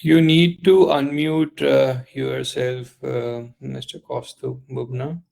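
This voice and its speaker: A man with an Indian accent answering investor questions as a company executive on an earnings call, speaking haltingly. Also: medium pitch, little pitch movement, gravelly, darkish tone. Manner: halting, hesitant delivery.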